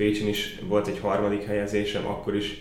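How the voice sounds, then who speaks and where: A man speaks at a fairly low pitch. Noticeable background noise and audible room echo surround him. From Hungary, Baja. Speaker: professional basketball player. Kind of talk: interview.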